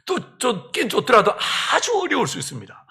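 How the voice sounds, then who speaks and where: A man's voice: extremely high pitch, fairly quick, creaky. A middle-aged man preaching a revival sermon in church, telling a personal story and acting out the voices in it. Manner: lively storyteller who acts out voices and laughs. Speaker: pastor. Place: church sanctuary.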